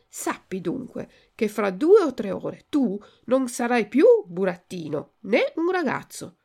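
A woman voicing a kind, wise little female marmot in a storybook, speaking gently and gravely. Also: a little high, sing-song, a little slow, exaggerated voice.

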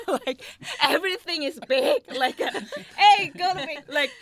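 A young adult woman from Korea with a Korean accent, chatting as an interview guest, halting and searching for English words, often laughing. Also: sits high, a bit bright. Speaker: guest musician. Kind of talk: casual interview chat.

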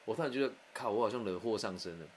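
A man rattles through a personal anecdote at a quick clip. He is candid and animated, talking as if to a friend. His voice sits on the lower side, with a faint hiss of background noise. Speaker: storyteller.

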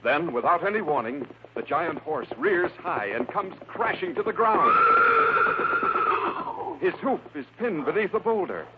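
A man's voice: on the high side, big pitch swings, unhurried. Tinny, noisy old-radio male adventure narrator. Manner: suspenseful, theatrical. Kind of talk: dramatic scripted narration, 1950s radio adventure.

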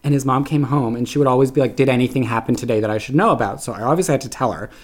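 A man's voice: medium pitch, racing. A young man from Canada telling stories in casual podcast chat, peppering his speech with "like". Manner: chatty storyteller, constant "like". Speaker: podcast guest.

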